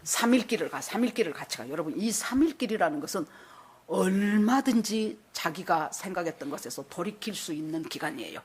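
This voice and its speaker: Husky older woman pastor preaching. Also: lowish voice, animated, fairly quick. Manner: storytelling, acting out quoted voices. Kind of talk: sermon.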